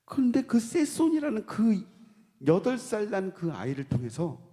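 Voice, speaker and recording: A man, a church deacon, telling a personal testimony in church, dropping to hushed low passages and then rising in sudden emotional outbursts. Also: wildly swooping pitch, moderate pace. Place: church sanctuary with long reverb. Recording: long church hall reverb.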